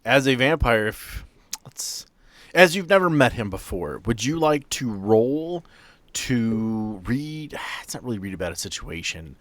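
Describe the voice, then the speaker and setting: A man narrating an improvised tabletop horror game as game master, with theatrical storytelling and dramatic pauses. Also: medium pitch, sing-song, fairly bright tone, dry recording. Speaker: game master, podcast host.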